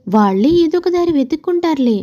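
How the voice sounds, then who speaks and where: Lady doing a bossy scheming friend in a story, high voice, kinda mellow tone, pushy and goading. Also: expressive, a little fast, no room sound, highs cut off. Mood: scheming persuasion. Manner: insistent, goading. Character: meddling divorced female friend, bossy and scheming.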